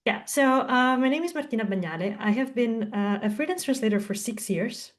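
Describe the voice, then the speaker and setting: A woman's voice: on the high side, animated, a little fast. A woman in her thirties from southern Italy, whose first language is Italian, talking casually as a podcast guest and telling her story with lots of fillers. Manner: chatty, storytelling with frequent fillers. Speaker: guest, translator and tech co-founder.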